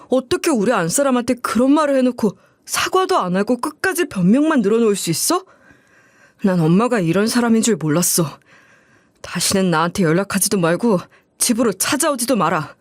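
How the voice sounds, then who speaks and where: A woman's voice: medium pitch, expressive, normal speed, no echo, clean studio sound, close to an everyday voice. A woman voicing an enraged husband who heatedly scolds his mother in a story. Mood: furious. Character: angry adult son and loyal husband.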